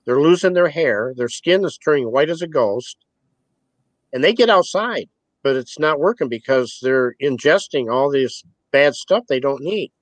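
A man's voice: medium pitch, expressive, normal speed, no echo. A man in his sixties being interviewed, talking in a rambling, folksy way and chuckling between points. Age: 60s. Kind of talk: casual spoken interview.

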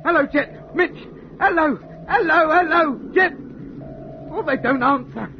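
An actor playing an excitable, grumbling radio operator in a space crew, in a radio serial. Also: male voice, very high voice, unhurried. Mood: frantic calling. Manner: agitated, grumbling. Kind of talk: radio science fiction serial acting. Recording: dull old radio recording, loud music behind.

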